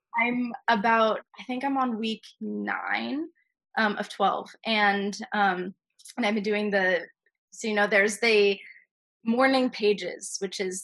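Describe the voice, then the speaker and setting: Speaking with an American accent, a woman has a medium pitch. Her intonation stays fairly even. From Pittsburgh, Pennsylvania. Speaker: artist and student. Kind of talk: casual chat. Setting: video call. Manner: halting.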